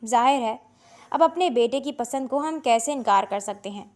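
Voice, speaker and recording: A woman voicing a calm, kindly middle-aged father who speaks with a smile in an audio story. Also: fairly high pitch, close to an everyday voice. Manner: warm, smiling.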